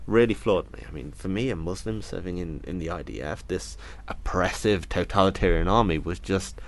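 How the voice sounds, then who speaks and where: Deep-voiced man recounting his story. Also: moderate pace. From Britain. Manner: earnest, thoughtful, retells conversations in detail. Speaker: interview guest. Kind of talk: reflective personal account.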